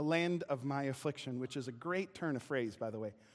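Using a plain, everyday voice, a man with an American accent talks at a fairly quick pace, fairly high in pitch with ordinary pitch variation. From Kenosha, Wisconsin (US Midwest). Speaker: pastor. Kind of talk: sermon.

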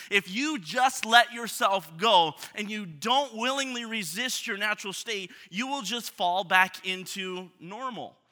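In a raised, projected voice with a bright, sharp tone, the speaker uses lively intonation while moving at a very slow pace. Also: man. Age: 30s. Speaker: pastor. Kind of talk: sermon. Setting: church.

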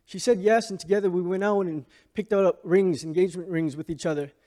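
A man's dark, mellow, high-pitched voice with a Canadian accent, very fast pace and ordinary pitch variation, in a very clean recording with a silent background. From Hamilton, Ontario, Canada. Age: 30s. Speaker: recovering addict giving testimony. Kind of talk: testimony. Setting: church service.

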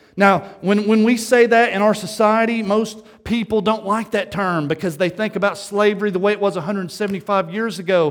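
The speaker talks at a fairly slow pace in an East Tennessee accent. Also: man. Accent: Southern US (East Tennessee). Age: 40s. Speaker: pastor. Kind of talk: sermon. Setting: conference hall with live audience.

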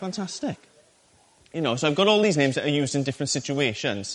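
With lively intonation and a Welsh accent, a man speaks at a fairly high pitch. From Wales. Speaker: pastor. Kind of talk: sermon.

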